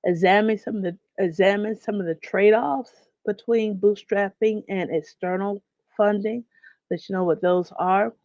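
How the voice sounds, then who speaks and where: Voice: medium pitch, a little mellow, dry recording. A livestream host teaches business finance in an easygoing, conversational way and stops to greet viewers in the chat by name. The voice is a little nasal from a lingering cold. The sound is dry and a bit dull and lo-fi. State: getting over a cold, slightly nasal. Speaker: host of a live online business series. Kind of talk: live-streamed business lesson.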